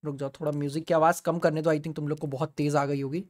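A man streaming a horror game live, yelping, pleading and hushing as a monster comes near. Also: a little high, flat delivery, fast talker. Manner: jumpy, yelps and pleads with the monster, then hushes to a whisper. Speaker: gaming streamer. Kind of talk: live gameplay commentary.

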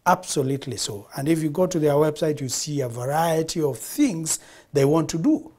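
Appearing on a TV studio set, a middle-aged Kenyan man who founded a production studio gives an interview in a fairly high, animated, slightly mellow voice at normal speed. He talks expansively and repeats phrases to stress his points.

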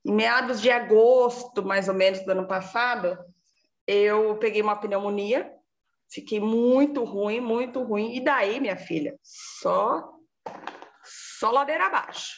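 A woman, giving a lively casual testimonial and acting out her own past words. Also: mid-range voice, measured pace, dull audio.

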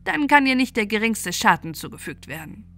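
A woman's voice: on the high side, big pitch swings, brisk, sharp tone, full character voice. A woman voicing a mysterious little man in a fairy tale, giving stern, emphatic orders. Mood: instructing. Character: little mysterious male manikin, commanding and stern.

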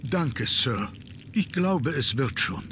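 Formal, weary butler with swooping intonation. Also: male voice, mid-range voice, sing-song, slow, a bit bright, a little hiss or hum. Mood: apologetic, guarded. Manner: formal, resigned. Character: reserved, deferential male butler, weary and evasive. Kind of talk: scripted adventure game dialogue.

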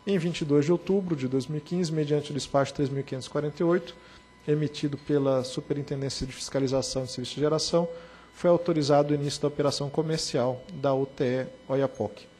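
Slightly husky Brazilian official reading. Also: male voice, on the high side, steady tone, darkish tone. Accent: Brazilian Portuguese. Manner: measured and formal, with short spoken asides. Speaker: reporting director at a regulatory board. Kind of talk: reading a formal case report.

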